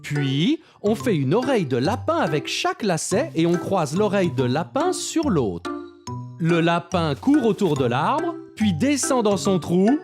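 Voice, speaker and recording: A friendly cartoon dad with a light, lively voice. He explains things patiently and encouragingly, with music clearly playing behind him. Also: sits high, a little slow. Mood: patient, upbeat. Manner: instructive, friendly. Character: patient, encouraging young father of a preschool boy. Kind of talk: French-dubbed children's cartoon acting.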